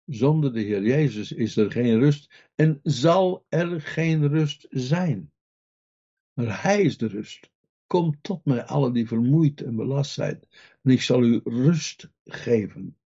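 A man preaches slowly and deliberately, his voice mellow and a little husky. He presses his listeners with earnest, direct questions. The recording sounds dull and lo-fi. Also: medium pitch. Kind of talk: sermon.

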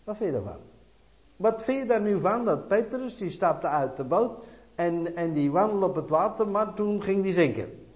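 A man preaching a sermon, reading scripture and then putting questions straight to his listeners, swinging between soft and loud. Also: high voice, lively intonation, normal speed. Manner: questions the listener directly, dramatic swings in loudness. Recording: dull lo-fi recording.

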